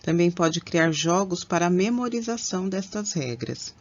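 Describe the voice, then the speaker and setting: A woman's voice: on the low side, expressive, highs cut off. Woman reading a teacher-training talk. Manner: measured, explanatory. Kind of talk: reading prepared training presentation.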